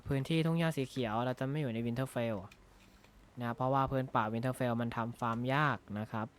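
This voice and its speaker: A man's voice: medium pitch, moderate pace, clear, resonant tone. A man talking casually while he plays a video game, joking and thinking aloud with frequent tag words, recorded on a close desk microphone at a gaming desk. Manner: rambling, jokey, thinks aloud with frequent "na ha" tags. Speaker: gaming YouTuber. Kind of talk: casual Minecraft let's-play commentary. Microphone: close desk mic.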